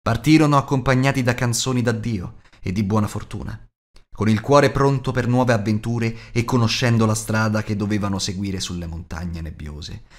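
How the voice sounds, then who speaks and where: Man, fairly low voice, scripted narration, fantasy audiobook. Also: moderate pace.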